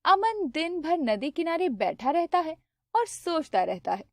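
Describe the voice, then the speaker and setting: A woman narrating a cartoon story in a steady, plain storybook way. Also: extremely high pitch, unhurried, dry recording, studio quality.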